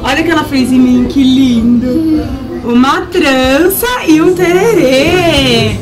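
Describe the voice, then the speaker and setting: Young brazilian woman, high voice, doting sing-song talk to kids, handheld camera, home vlog. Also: slow pace, over music, low-quality recording. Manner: affectionate, sing-song baby talk to children. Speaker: vlogger. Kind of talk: casual family vlog. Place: family apartment indoors. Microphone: handheld camera at arm's length.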